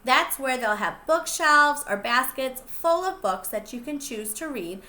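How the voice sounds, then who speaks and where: A pre-K teacher, a woman, reading a picture book aloud to young children in an expressive, sing-song way. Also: sits high, measured pace.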